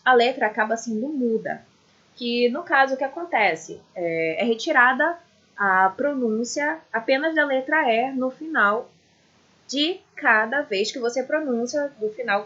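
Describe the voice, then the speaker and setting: Speaking with a Brazilian Portuguese accent, a woman walks learners through English letter sounds, slowly repeating letters and often adding "ok?" Her voice is a little high and a bit bright. The recording is lo-fi and dull.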